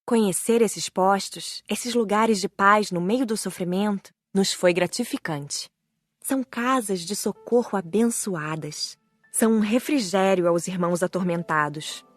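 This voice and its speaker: A woman's voice: medium pitch, measured pace, no echo, soft background music. A woman with a Brazilian accent reading a scripted first-person audiobook story. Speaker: audiobook narrator.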